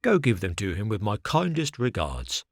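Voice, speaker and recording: A man voicing a huge, gruff bearded puppet master in a storybook reading, speaking low and gravely. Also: wildly swooping pitch, moderate pace, no echo, studio quality, full character voice. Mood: kindly.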